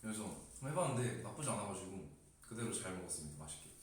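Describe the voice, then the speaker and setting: A young man chats quickly on a livestream, his pitch rising and falling as he rambles through a story. He sounds set back from the microphone, in a strongly echoing room with faint noise underneath. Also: animated. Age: young adult. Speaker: idol group member hosting a livestream. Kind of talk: casual group chat on a livestream. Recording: roomy, distant mic, faint noise.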